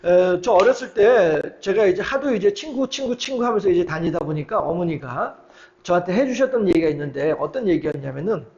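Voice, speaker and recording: A man's voice: high-pitched, expressive, a little fast, darkish tone, lo-fi sound. A man preaching a midweek sermon, retelling Bible scenes and acting out their dialogue with many fillers. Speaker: pastor.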